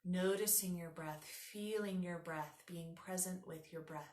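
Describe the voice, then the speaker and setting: A woman with a fairly low voice leads a guided relaxation as a yoga teacher. Her delivery is soothing and unhurried, giving gentle step-by-step instructions. The recording has a clearly roomy echo around her voice. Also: steady tone. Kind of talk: guided meditation.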